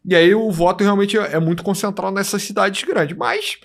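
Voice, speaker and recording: A man co-hosting a podcast, chatting about politics in an animated way, full of fillers. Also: high-pitched, fairly quick. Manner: animated, lots of fillers like tipo and né. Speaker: podcast co-host. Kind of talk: casual political chat.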